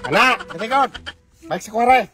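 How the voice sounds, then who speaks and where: A man's voice: very high voice, animated, fast talker. A Filipino man with a Visayan accent playing a strict, mocking cadet training instructor in a comedy skit, bossy and teasing.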